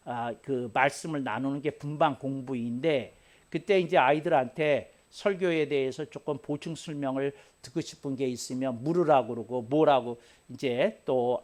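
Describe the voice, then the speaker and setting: A man pastor giving a sermon in an earnest, conversational way, often repeating key phrases for emphasis. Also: medium pitch.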